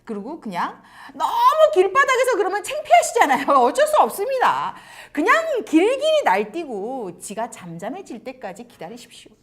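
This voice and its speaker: A woman with a high voice gives parents advice in a lecture. Her pitch leaps up and down all the time, and she acts out little scenes. Now and then her voice sinks almost to a whisper to stress a point. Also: moderate pace, hardly any pauses. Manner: animated, acts out quoted lines; drops to near-whispers for emphasis. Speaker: education commentator and host.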